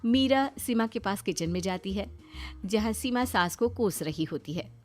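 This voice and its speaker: Expressive woman narrating a cartoon story. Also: mid-range voice, unhurried, soft background music.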